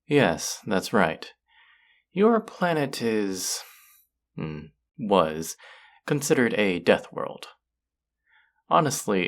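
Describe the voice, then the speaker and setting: Haughty, creaky-voiced alien, played by an actor, low and sly. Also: exaggerated voice. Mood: smug condescension. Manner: condescending, amused, deliberate, theatrical. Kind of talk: audio roleplay acting addressed to the listener.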